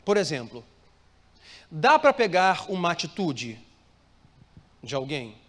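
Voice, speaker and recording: A man's voice: fairly high pitch, very animated, takes it slowly. A Brazilian Portuguese-speaking male pastor preaching a sermon to a live congregation, asking them to repeat phrases and answer him. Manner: preaching with call-and-response prompts to the congregation. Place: church hall with live congregation. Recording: reverberant church hall, soft music.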